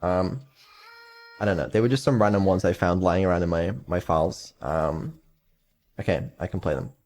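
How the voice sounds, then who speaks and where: A man's voice: sits low, moderate pace, darkish tone. Hesitant, rambling male streamer. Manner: rambling, hesitant, many ums, offhand swearing. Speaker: developer and streamer. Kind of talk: casual live stream update.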